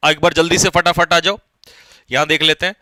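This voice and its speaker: A man teaches an online English grammar lesson, pushing his students to hurry. His voice is high and bright, and he keeps asking questions and answering them himself. The sound is dry and close to the mic. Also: fairly even intonation, a little fast, dry recording. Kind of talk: online exam-prep lesson.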